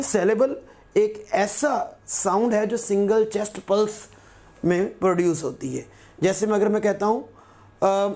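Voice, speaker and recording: A male teacher giving a recorded grammar lesson, patiently repeating words slowly as examples. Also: high voice, darkish tone.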